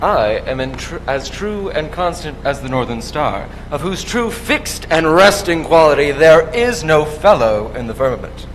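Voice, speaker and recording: An actor playing a jealous, melodramatic lover who slips into Shakespearean declaiming, performed on a school auditorium stage. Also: male voice, on the high side, sing-song, moderate pace, few pauses. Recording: echoey auditorium, faint noise.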